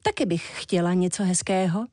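A woman's voice: on the low side, a little mellow, dry recording, studio quality, close to an everyday voice. A woman doing a chirpy vain young woman. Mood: demanding. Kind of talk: children's audiobook.

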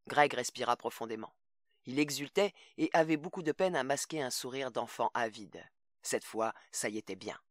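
A man narrating a short story as an audiobook in a measured, steady reading. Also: medium pitch, no room sound, clean studio sound.

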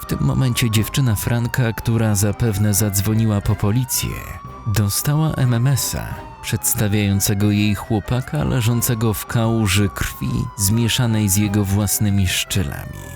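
A man narrating a scripted first-person horror story in a dramatic, measured way, recorded in a studio. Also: fairly low pitch. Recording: music behind the voice. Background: music.

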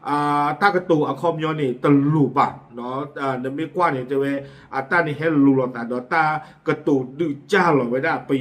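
A man with a medium-pitched, somewhat bright voice chats his way through community news. The commentary is casual and spoken, with frequent fillers and side remarks.

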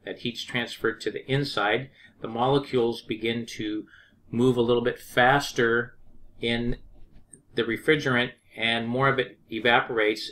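A man teaching an HVAC lesson over sketched diagrams. He speaks at a middling pitch, calm and unhurried, and often restarts his sentences as he works through each point. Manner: plain, unhurried, with frequent restarts. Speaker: HVAC instructor. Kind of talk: explaining over drawn diagrams.

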